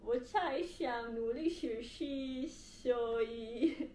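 A young woman, a non-native Mandarin speaker with a foreign accent, talks casually to camera in a halting way, searching for words. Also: fairly high pitch, dark tone. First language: not Mandarin. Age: young adult. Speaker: language learner vlogger. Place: indoor living room with bare wall, on sofa. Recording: echoey room, faint background hiss.

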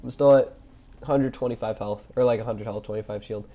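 A young man with a cold, stuffed up and nasal, commentating his own gameplay and pausing for breath, with excited outbursts. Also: lowish voice. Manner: nasal, pauses for breath mid-sentence; excitable exclamations during fights. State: congested from a cold. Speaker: gaming channel host.

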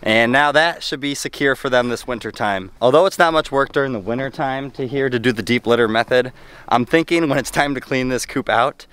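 A man's voice: medium pitch, a little fast, fairly bright tone, smooth. A young man chatting casually to camera while doing farm chores outdoors in the snow, upbeat and friendly, holding the camera at arm's length. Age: young adult. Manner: upbeat, chatty, talks to his animals. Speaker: homesteading vlogger. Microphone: handheld camera at arm's length.

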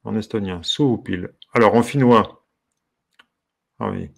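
This male harmonica instructor has a gravelly voice on the low side and speaks a little slowly. He browses while musing out loud, curious and entertained, letting out soft exclamations.

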